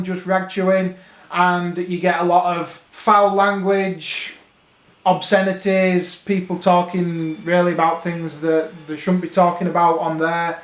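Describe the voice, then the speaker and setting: A British man talking casually to viewers, explaining things as a radio hobby vlogger. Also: high-pitched. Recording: roomy, echoing indoor sound.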